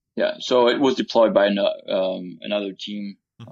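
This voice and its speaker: With a French accent, a man talks at a moderate pace. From France. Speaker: software developer. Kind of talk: casual interview. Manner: hesitant, many fillers.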